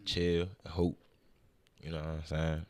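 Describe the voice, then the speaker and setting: A man with a deep voice, a podcast guest talking in a laid-back, slangy way. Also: monotone, slow pace, a little mellow. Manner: laid-back, slangy, fills with "you know what I'm saying". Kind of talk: casual chat.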